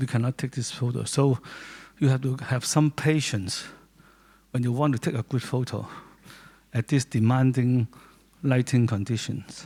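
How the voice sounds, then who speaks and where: Somewhat breathy, dark, mellow voice at a moderate pace, with fairly even intonation and long, frequent pauses, in a dry, close sound with no echo on a very clean recording with a silent background. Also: man. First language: Cantonese. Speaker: photographer and author. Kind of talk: book talk to audience. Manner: halting.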